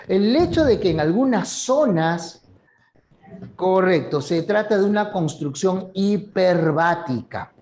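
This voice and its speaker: A man's voice: on the high side, darkish tone. A man with a Peruvian coastal accent giving a video lesson, explaining conversationally and checking in with his listeners often. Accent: Peruvian coastal Spanish. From Peru. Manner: conversational, frequent "¿no?" tags, acts out examples. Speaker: teacher.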